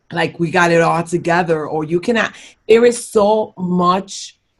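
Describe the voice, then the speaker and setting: A woman speaks in a Puerto Rican accent. Her pitch is fairly low, with ordinary variation. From Puerto Rico. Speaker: social worker and professor. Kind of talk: podcast interview.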